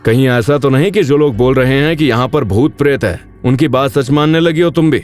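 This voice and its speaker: A man acting a confident, skeptical leader of an investigation team in an animated story. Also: mid-range voice, fairly quick, soft background music, lightly acted. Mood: dismissive, breezy.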